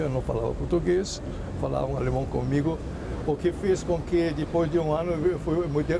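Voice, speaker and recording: A man's voice: medium pitch, creaky, noisy background. A man in his eighties from Germany, a native German speaker, answering interview questions hesitantly with restarts. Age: 80s. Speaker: author, interview guest.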